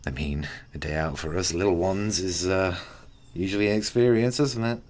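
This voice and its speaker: A man playing a kindly, awkward, flirtatious tiny friend in an intimate ASMR roleplay, speaking gently and hesitantly with caring, teasing warmth. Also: sits low, moderate pace, natural voice. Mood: encouraging, shy. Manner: gentle, hesitant, bashfully rambling.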